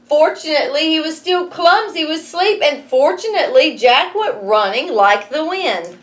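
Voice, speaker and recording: A woman reads a storybook in a fairly high, very lively voice. She teaches as she goes, slipping in wry little asides to explain things. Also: normal speed. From United States. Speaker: schoolteacher reading aloud to students. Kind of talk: expressive storybook reading with asides.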